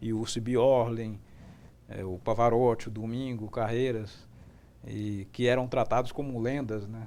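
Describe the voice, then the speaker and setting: A man speaks fairly slowly in a dark, mellow tone. His intonation is monotone and flat. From Brazil, Goiás. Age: 30s. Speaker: opera tenor. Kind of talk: interview.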